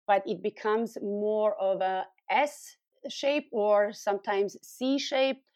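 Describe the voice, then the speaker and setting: As a guest expert in an interview, a physiotherapist who founded a scoliosis clinic explains her subject in a Serbian accent; she is from Serbia. Her voice is mid-range and slightly mellow, recorded without echo.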